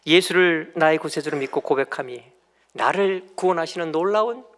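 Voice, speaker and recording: A man preaching a church sermon, acting out family quarrels loudly and then dropping to soft, tender murmurs. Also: fairly high pitch, normal speed, in a large hall. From South Korea. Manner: drops to near whisper for tender lines and stories. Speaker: pastor. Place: church sanctuary.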